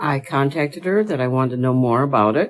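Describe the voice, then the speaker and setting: With an American accent, the voice shows ordinary pitch variation. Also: woman. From Michigan, US. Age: 70s. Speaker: small business owner. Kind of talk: interview.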